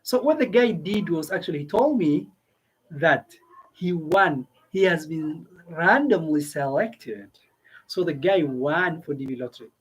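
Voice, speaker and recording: A man's voice: a little high, lively intonation, measured pace, slightly rough, low-quality recording. A man from East Africa hosting a casual explainer video, repeating his points and checking in with listeners. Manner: repeats himself, asks listeners questions. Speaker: video host giving visa advice. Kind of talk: casual explainer talk to camera.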